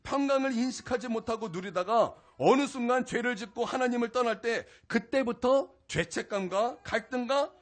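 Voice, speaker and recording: A male pastor preaching a weekday sermon, telling a personal story in an animated way. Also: very high voice, normal speed, hardly any pauses. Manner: animated storytelling, acts out his own angry outburst. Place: small church service.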